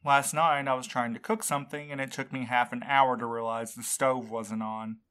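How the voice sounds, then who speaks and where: A man acts a sleep-deprived young male courier in a fiction podcast. He grumbles and snipes in a mid-pitched voice, sounding snarky and worn out. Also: fairly even intonation, normal speed, bright, forceful tone, clean tone, close to an everyday voice. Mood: weary, joking. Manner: snarky, complaining. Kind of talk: audio fiction podcast acting.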